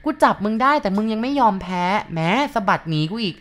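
A woman's voice: on the low side, moderate pace, a bit bright, natural voice. Woman doing a foul-mouthed hot-tempered village girl. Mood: angry. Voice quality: crude, scolding.

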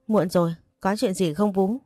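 A man's voice: sits high, fairly even intonation, moderate pace, dark tone, no room sound, soft background music, natural voice. A woman reading the part of a teasing, possessive young master of the house, in a storybook. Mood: firm. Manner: teasing and bossy.

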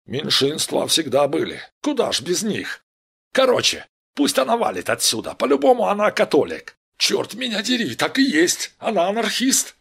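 A man shouting as a crude jeering gang of thugs. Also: sits high, huge pitch swings, normal speed, gravelly, hardly any pauses, breathy edge, pitched above the performer's own voice, heavily acted. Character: crude loud gang of young male thugs.

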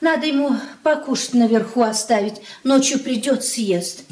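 A woman's voice: on the high side, normal speed, a little mellow, natural voice. An actress playing a fussing, anxious middle-aged mother in a radio play. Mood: worried. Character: worried aging mother of a merchant family. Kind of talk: 1980s radio play acting. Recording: roomy with faint hiss.

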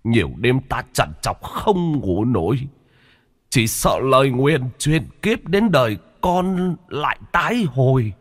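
A man's voice: medium pitch, big pitch swings, slow, big-room sound, pitched above the performer's own voice. A man voicing a tormented, dying old father whose strained words rise into anguished cries. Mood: grave confession. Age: older. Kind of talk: dramatic storytelling.

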